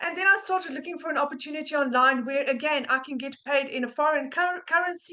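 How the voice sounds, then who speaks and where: A woman talks very fast in a high-pitched, raised, projected voice with a South African accent. Her tone is bright and sharp, with ordinary pitch variation. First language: Afrikaans. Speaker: digital marketer. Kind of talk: testimony. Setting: live webinar. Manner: halting, many fillers and restarts.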